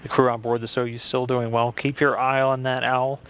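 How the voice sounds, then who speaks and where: An American man giving measured, matter-of-fact live commentary from mission control. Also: mid-range voice, little pitch movement, a bit bright.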